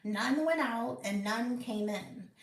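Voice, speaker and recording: A woman hosting a live Bible reading and study, reading aloud slowly and carefully with small slips and restarts. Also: fairly high pitch, echoey room. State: out of breath.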